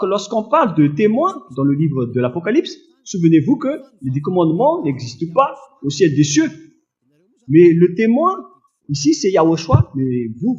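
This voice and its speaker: A man preaching a fervent sermon in a loud, forceful, admonishing manner, reading and explaining scripture. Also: fairly high pitch, muffled recording. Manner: accusatory, admonishing.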